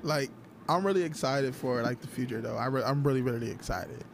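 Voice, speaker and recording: A man's voice: mid-range voice, fairly quick, vocal fry, slight background noise. A man from Toledo with an African American accent, chatting casually and repeating his phrases for emphasis. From Toledo, Ohio, USA. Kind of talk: casual group chat.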